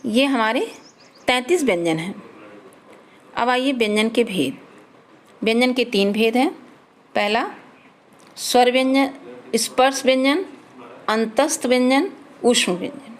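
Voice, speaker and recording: A woman's voice: fairly high pitch, measured pace, long pauses, slight background noise. A woman teaching a children's grammar lesson, reading out letters and example words one at a time.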